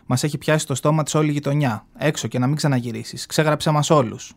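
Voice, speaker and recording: A man's voice: a little high, gravelly. A man reading aloud from a novel in the voice of an aging, flamboyant gay man who tells his story in a sassy, mocking way, in a radio studio.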